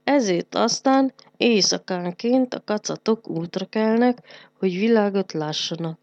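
A woman's voice: mid-range voice, a little mellow, no room sound, lo-fi sound. Woman reading a children's storybook. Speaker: narrator.

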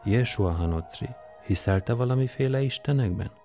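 A man's voice: mid-range voice, lively intonation, warm tone, faint music behind, voice pushed up, lightly acted. A man reading an audiobook and voicing a fierce, weary Roman governor who is scornful and commanding. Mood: hushed. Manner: scornful and commanding, erupts into roaring rage.

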